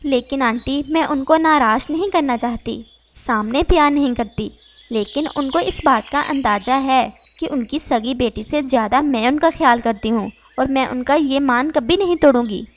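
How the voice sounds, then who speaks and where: A woman voicing a gentle, devoted young female bird in a cartoon, speaking softly and earnestly. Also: high-pitched, moderate pace, slight background noise, natural voice.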